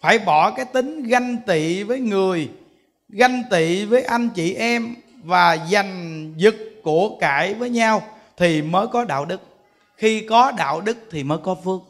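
A man giving a Buddhist sermon, telling stories in an animated way and acting out the voices of the people he quotes. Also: sits high, unhurried. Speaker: Buddhist monk teacher.

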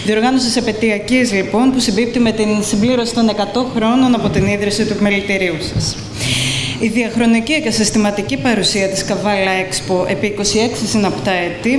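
A woman minister giving a formal, ceremonial opening speech at a podium. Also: medium pitch. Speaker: government minister opening the fair. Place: large exhibition hall. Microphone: podium microphone. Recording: echoey hall with background noise.

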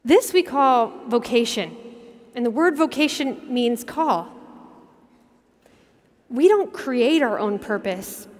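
A woman in her thirties, a religious sister, giving an inspirational keynote speech from an arena stage in a measured, earnest way with dramatic pauses. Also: a little high, lively intonation. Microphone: headset mic at a podium. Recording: long arena reverb.

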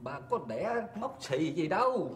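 A penny-pinching old husband in a stage comedy sketch, with a high, lively voice that swoops around. He drawls slowly, grumbling about the cost of everything. The sound is roomy, with faint noise behind. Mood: teasing. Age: older.

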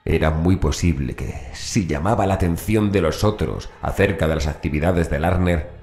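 A man's voice: low-pitched, moderate pace, a little mellow. A man narrating a scripted horror story as an audiobook narrator, with music behind him. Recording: voice over background music.

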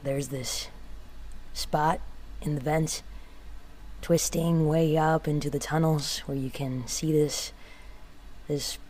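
A woman playing a weary, wry tinkerer in a sci-fi audio drama monologue, speaking in a halting, brooding manner. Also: low voice, fairly even intonation, darkish tone, a little hiss or hum. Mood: quiet, resigned. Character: weary, wry young woman tinkerer in a doomed underground city.

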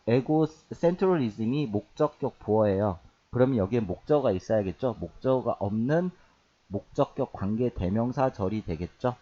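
A man teaching an English grammar lesson for exam prep. He explains step by step, asks questions and answers them himself, and reads English phrases slowly before translating them. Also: mid-range voice, dark tone, dull audio.

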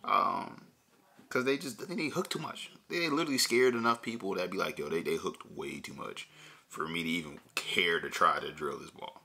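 Deep and husky with vocal fry, this young man's voice sounds pushed and bright at a moderate pace. He's doing a casual review chat for his bowling channel from a shelved room indoors at home, rambling easily and using lots of fillers.

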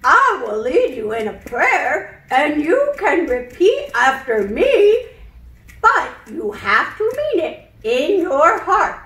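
A woman's voice: sits high, very animated, slow pace, a bit bright, exaggerated voice. A woman voicing an elderly puppet teacher who explains things patiently and earnestly, in an emphatic preacherly way, for a children's puppet show. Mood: earnest, encouraging. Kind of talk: children's puppet show, scripted Bible lesson. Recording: roomy echo, distant microphone.

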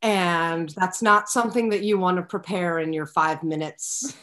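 A young woman, an actor, talking candidly and animatedly with fillers as a guest on a video call from a room at home. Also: fairly low pitch. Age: young adult. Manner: animated, expressive, talks fast with many fillers. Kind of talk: candid conversational interview. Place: home room with a window, indoors. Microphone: laptop webcam on a video call.

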